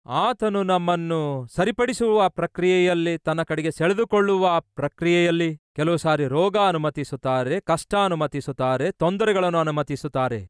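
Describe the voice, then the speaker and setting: Pastor with a smooth, higher voice. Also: male voice, no echo, clean studio sound. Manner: asks the listeners questions and answers them himself; builds long lists of repeated phrases. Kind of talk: sermon.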